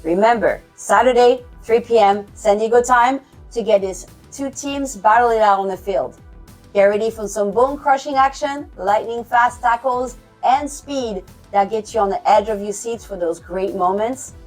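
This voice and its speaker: A woman's voice: on the high side, moderate pace. A woman reading a promotional announcement for a match in a hyped, salesy way. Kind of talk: read promotional voice-over. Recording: music bed under voice.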